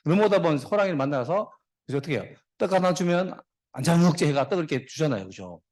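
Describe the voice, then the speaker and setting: Middle-aged male guest speaker, joking storyteller, rapid and lively. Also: fairly high pitch. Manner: jokey storyteller, dad jokes, talks to the audience. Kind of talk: motivational speech.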